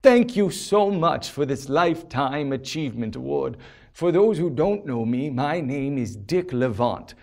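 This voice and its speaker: Smug male screenwriter for sketch comedy, acted by a man: mid-pitched, self-satisfied, instructive awards-speech delivery. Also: lively intonation, a little slow, creaky, darkish tone. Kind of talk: comedy character monologue.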